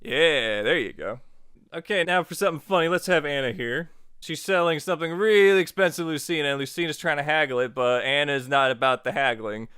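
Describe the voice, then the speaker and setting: A man's voice: a little high, fairly quick, pushed and bright, smooth, no echo, clean studio sound. A man narrating a tutorial as its host in an informal, jokey, casual way.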